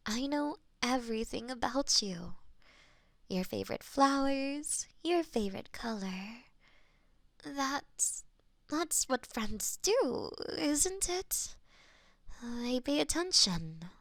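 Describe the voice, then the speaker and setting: A woman performing a gentle audio roleplay as a florist friend, soft-spoken and a little flustered, recorded on a binaural microphone. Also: sits high, big pitch swings, slow, dry recording.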